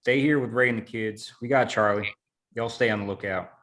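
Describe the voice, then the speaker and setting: An actor playing a wary, steady small-town man who leads a search, at a script table read. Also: fairly low pitch, a little fast, lightly acted. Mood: grim, commanding.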